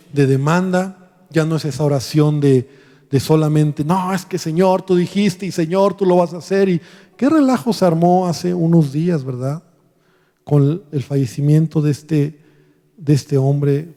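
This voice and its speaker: A man's voice: on the high side, gravelly, dark tone. A man preaching a sermon as pastor, emphatic and acting out prayers in his own voice. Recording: long church reverb.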